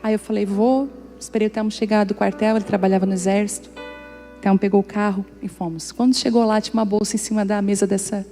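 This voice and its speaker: A woman's voice: mid-range voice, quick pace, soft background music. A woman pastor preaching to a congregation, telling humorous stories and acting out the dialogue. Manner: lively, humorous, acts out dialogue in anecdotes. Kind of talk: storytelling sermon. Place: church service before a congregation.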